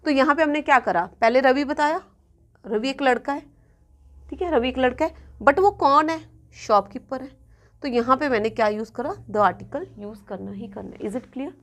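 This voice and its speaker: Woman teacher, fairly high voice. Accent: Punjabi-influenced Hindi-English. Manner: checks in often with students, repeating examples slowly. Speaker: exam coaching teacher. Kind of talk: classroom grammar lesson.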